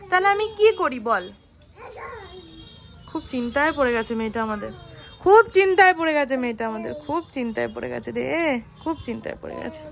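Woman vlogger, high voice, casual family chat with a toddler. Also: sharp tone. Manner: talks sweetly to a small child, coaxing and playful.

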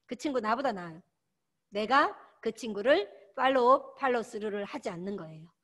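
A woman lectures her sales team in a bright, high voice. Her pitch leaps up and down with animated energy. She drives every point home by saying its key word again and again. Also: moderate pace. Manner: emphatic, repeats key words, exhorting. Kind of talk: motivational training lecture.

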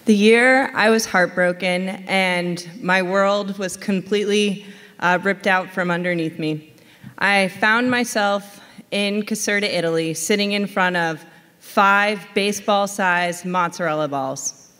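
A woman's voice: mid-range voice, a little slow, a bit bright. A woman from western Massachusetts telling a personal story on stage in a reflective way, with the odd filler. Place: stage in a hall. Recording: long hall reverb.

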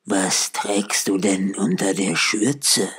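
A man voicing a sly, greedy wolf in a fairy tale, coaxing and scheming in a hushed way. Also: low voice, fairly even intonation, takes it slowly, breathy edge, exaggerated voice.

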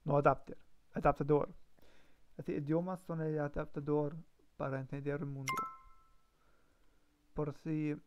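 A man's voice: a little high, flat delivery, measured pace, long pauses, over music. A man practicing on a live stream, hesitant, full of fillers and self-corrections. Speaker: language learner streamer. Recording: dull lo-fi stream mic.

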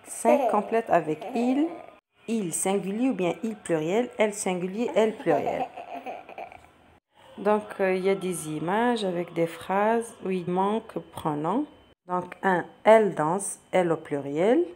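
A woman's voice: mid-range voice, a little slow, warm tone. A woman explaining a primary-school practice exam step by step to children, patiently repeating each question before answering it. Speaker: teacher going over a practice exam. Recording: faint background noise.

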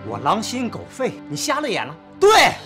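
An actor playing a middle-aged husband in a TV drama, sarcastic and mocking. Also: male voice, sits high, huge pitch swings, moderate pace, gravelly, a bit bright, faint music behind, full character voice. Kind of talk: TV drama acting.

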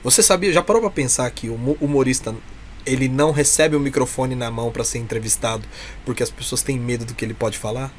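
A man's voice: medium pitch, quick pace. Brazilian man, heartfelt, over noisy webcam audio. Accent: Brazilian Portuguese. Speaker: interview guest, clown performer from a humour troupe. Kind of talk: earnest conversational interview. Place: small room with a curtain backdrop.

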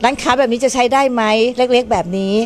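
A middle-aged woman who runs a small eatery, interviewed indoors on a handheld mic, speaking in a measured, slightly halting way. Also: a little high, a little mellow, faint music behind. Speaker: small restaurant owner. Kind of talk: street interview. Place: small indoor shop kitchen.

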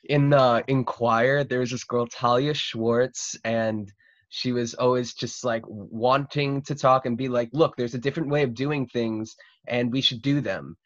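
A man's voice: mid-range voice, fairly even intonation, unhurried, no echo. A young man chatting casually and slangily as a podcast host over a video call. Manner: slangy, informal. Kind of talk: casual roundtable chat. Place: living room at home, indoors. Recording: slightly dull video-call audio.

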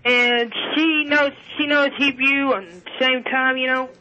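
A man calling in to a radio show over the phone, talking in a halting, rambling way full of restarts and fillers. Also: extremely high pitch, steady tone, sharp tone, slight background noise. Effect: caller heard over a phone line. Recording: dull lo-fi phone line.

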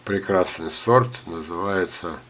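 Older male gardening teacher, low-pitched, coughing, chatty with jokes. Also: unhurried, fairly bright tone, a little hiss or hum. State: ill, coughing. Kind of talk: screen-share talk reading viewer letters.

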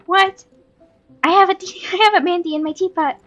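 A woman chatting casually while hosting a gameplay video, excitable and giggly, given to exclamations and sing-song bits. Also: very high voice, brisk, dry recording, muffled recording. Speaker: gaming video host.

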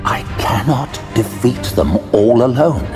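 A man voicing a calculating, menacing orc warlock villain, calm, cold and deliberate, in an audio drama. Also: medium pitch, over music, natural voice.

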